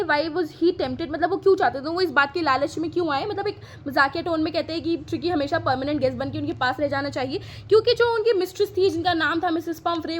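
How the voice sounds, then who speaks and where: A woman teacher with an Indian accent, explaining a lesson in Hindi and reading answers out slowly in English. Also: extremely high pitch. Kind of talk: classroom lesson.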